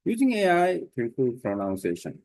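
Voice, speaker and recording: Korean-accented man, mid-range voice, reads his script aloud slowly and carefully, dry close sound. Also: medium pitch, wildly swooping pitch, a little mellow, dry recording. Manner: careful, deliberate reading with small slips. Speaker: language learner sharing his study method. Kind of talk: reading a prepared text aloud.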